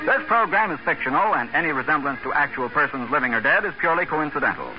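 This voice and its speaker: A man's voice: fairly high pitch, animated, quick pace. A man announcing in scripted, dramatic 1940s radio style. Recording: muffled 1940s radio recording. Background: music.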